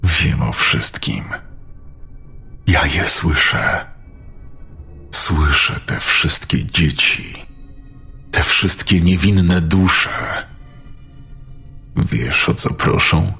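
A man voicing a little girl possessed by a vengeful dead priest's spirit, with a rough, gravelly, menacing half-whisper. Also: a bass voice, drawn-out words, pauses often, bright, forceful tone, faint music behind, heavily acted. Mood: gloating. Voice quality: gravelly, rough demonic growl.

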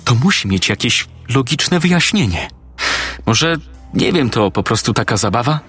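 A man's voice: mid-range voice, very animated, normal speed, fairly bright tone, slightly rough, faint music behind, heavily acted. A man voicing an anxious young man who keeps asking worried questions. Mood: reasoning. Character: shaken young man, the neighbour's friend.

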